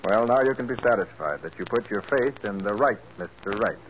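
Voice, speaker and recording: An actor playing a confident, calm private detective who explains the case, in 1940s radio acting on a dull old recording with hiss. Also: male voice, on the low side, a little fast, close to an everyday voice.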